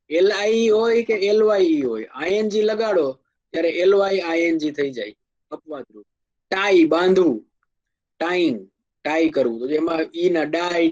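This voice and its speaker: A man's voice: a little high, mellow. Man teaching a lecture, lo-fi. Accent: Gujarati, Kathiawadi. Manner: explains slowly with spoken examples and asides. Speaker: English teacher. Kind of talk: classroom lecture.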